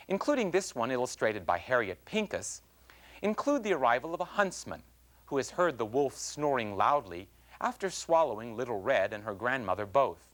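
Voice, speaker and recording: A man hosting an educational program, narrating from a script in an articulate, explanatory way with measured phrasing. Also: medium pitch, a bit bright. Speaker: host and presenter of an educational TV program.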